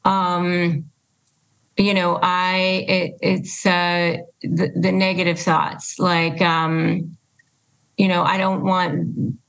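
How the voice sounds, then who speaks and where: A woman's voice: fairly low pitch, flat delivery, drawn-out words, gravelly, fairly bright tone, low-quality recording. A woman hosting a casual conversational interview, speaking emphatically and repeating her points for stress. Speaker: podcast host and interviewer.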